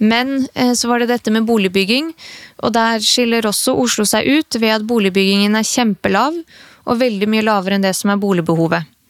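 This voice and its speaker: An ordinary speaking voice from a woman, fairly high in pitch, at a fairly quick pace, with ordinary pitch variation and very even loudness. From Norway, Sunndalsøra (came from Bosnia as small child). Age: 30s. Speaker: chief economist, housing market analyst. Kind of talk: podcast interview. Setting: live at a public event.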